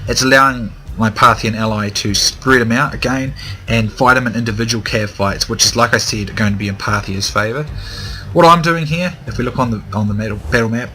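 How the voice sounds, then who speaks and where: A young man casually commenting on a strategy game battle, hesitant with many ums, his throat a little dry and hoarse. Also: fairly low pitch, bright, forceful tone, low-quality recording. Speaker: gaming commentator.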